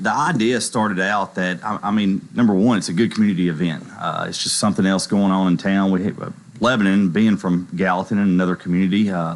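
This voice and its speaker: A man from Middle Tennessee, a bank executive promoting a community expo on local radio in an affable way with many fillers. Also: low-pitched. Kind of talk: radio interview.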